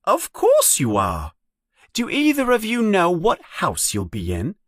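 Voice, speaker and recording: A man putting on a bossy, fast-talking schoolgirl. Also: sits high, wildly swooping pitch, fairly bright tone, dry recording, studio quality, pitched above the performer's own voice, full character voice. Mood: bossy, eager. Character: bossy know-it-all young schoolgirl.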